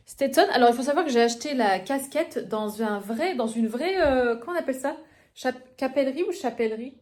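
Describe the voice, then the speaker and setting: A woman's voice: sits high, expressive, brisk, a little mellow. A woman in her thirties from northern France, chatting and confiding to camera in a casual vlog, with many fillers. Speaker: vlogger.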